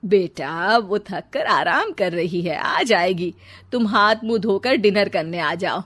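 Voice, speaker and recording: A woman voicing an older, indulgent mother-in-law in a cartoon story, soothing and gentle. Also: mid-range voice, slow pace, no room sound.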